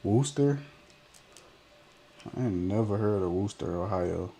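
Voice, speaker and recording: A man's voice: fairly low pitch, expressive, unhurried, mellow, a little hiss or hum. A man in his twenties with a Memphis accent, chatting casually on a live stream, reading viewer comments in a laid-back, slangy way. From Memphis, Tennessee. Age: 20s. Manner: laid-back slang, trailing off mid-sentence.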